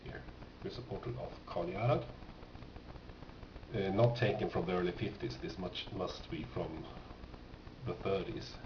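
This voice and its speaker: A low-voiced man, native in Swedish and speaking with a Swedish accent, shows his record finds in a casual, off-the-cuff way. He hesitates a lot and often pauses partway through a sentence. The recording, made in a room by an amateur, is dull, echoey and noisy.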